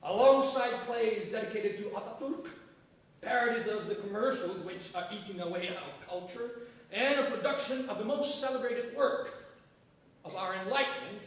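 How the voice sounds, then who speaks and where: Provincial editor for a staged play, male actor: cheerful, self-assured, declamatory, high-pitched, heard distant in a very echoey hall. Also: normal speed, natural voice. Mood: pompous. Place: theater stage, before an event audience. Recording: echoey stage, distant mic, faint noise.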